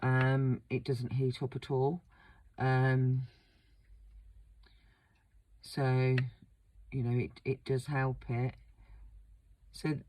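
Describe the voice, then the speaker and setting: Croaky woman doing a wax seal craft video, flat and chatty, lots of ums. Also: a bass voice, drawn-out words, long pauses, a little hiss or hum. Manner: relaxed, chatty, many ums. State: croaky, sore throat. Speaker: craft channel host. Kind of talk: casual craft demonstration.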